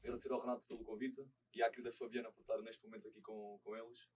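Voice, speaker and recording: A man's voice: fairly low pitch, little pitch movement, rapid-fire, a little mellow, distant mic, slight background noise. A man from Portugal with a Portuguese accent, a podcast guest telling his personal story in a careful, earnest way. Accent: European Portuguese.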